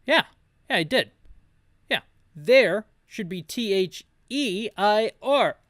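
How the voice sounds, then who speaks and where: A man's voice: sits high, lively intonation, takes it slowly, fairly bright tone, no room sound, clean studio sound. A man giving casual, jokey, opinionated video game commentary, rambling as he narrates the action as the host of a playthrough. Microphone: close mic, bumped now and then.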